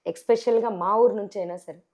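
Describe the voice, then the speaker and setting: A woman with a Telangana Telugu accent, a sarpanch candidate answering in a TV interview, forceful and full of rhetorical questions. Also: mid-range voice, brisk.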